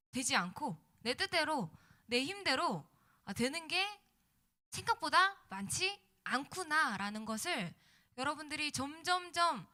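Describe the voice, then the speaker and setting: Female youth preacher, very lively high voice, conversational sermon delivery, diction a bit thick from post-wisdom-tooth swelling. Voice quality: slightly slurred diction from swollen mouth after wisdom teeth. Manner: conversational, checking in with young listeners. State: mouth swollen after wisdom tooth removal. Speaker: youth pastor preaching to middle schoolers.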